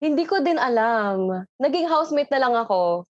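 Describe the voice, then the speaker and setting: Woman from bohol, podcast guest, giggly, animated, fairly high voice, dull lo-fi sound. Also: normal speed. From Bohol, Philippines. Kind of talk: casual chat.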